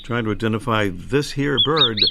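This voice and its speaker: Male radio host, creaky voice, casual teasing banter with callers, slightly halting delivery. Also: fairly low pitch, expressive, heavy background noise. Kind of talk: casual live call-in chat.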